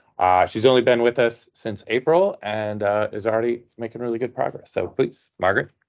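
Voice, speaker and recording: A man talks at a fairly quick pace with hardly any pauses, in a plain, everyday voice. His pitch is medium and varies in an ordinary way. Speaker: scientist introducing speaker. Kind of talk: speaker introduction.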